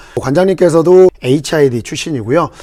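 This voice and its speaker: A man speaks with very wide pitch swings. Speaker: YouTuber and fitness coach. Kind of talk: vlog narration.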